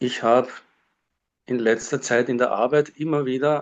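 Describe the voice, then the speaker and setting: A man with a Viennese accent speaks at a medium pitch. His pace is fairly slow and his intonation monotone and flat. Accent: Viennese Austrian German. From Austria, Vienna. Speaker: course participant. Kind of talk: personal sharing in online group. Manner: halting, hesitant.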